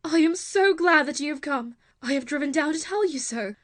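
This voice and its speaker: A man doing a high, pleading young woman. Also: animated, normal speed, a bit bright. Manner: high falsetto, insistent.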